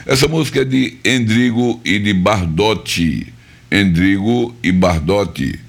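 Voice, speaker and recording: Slightly hoarse radio host. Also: male voice, lowish voice. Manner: chatty, repeats phone numbers and tags lines with "viu?" and "né?". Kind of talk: live radio show hosting. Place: radio studio.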